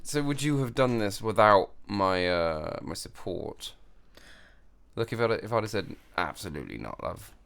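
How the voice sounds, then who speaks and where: A man's voice: on the low side, unhurried, a bit bright, clean tone. A man asking questions as a podcast host, with a dry, teasing manner in casual chat.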